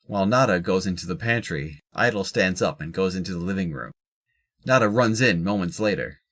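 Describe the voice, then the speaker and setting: A very low-pitched narrator for an audio drama. The delivery is scripted narration, describing the characters' actions as they happen. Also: animated, fairly quick, fairly bright tone.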